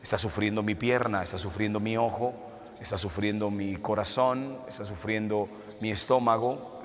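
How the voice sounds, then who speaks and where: A man, a Catholic priest, reading the gospel and preaching a homily in a church, his voice carrying a cathedral echo. He speaks in a measured way and poses rhetorical questions. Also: lowish voice, fairly even intonation, a bit bright. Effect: cathedral echo, long church reverb. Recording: long church reverb, faint hiss.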